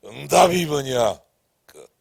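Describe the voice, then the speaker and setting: A man preaching a sermon as pastor, who swings from loud, emphatic declarations to hushed whispers and keeps asking the congregation questions. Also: mid-range voice, expressive, slow pace, creaky, no echo, clean studio sound. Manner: asks the congregation rhetorical questions. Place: church sanctuary.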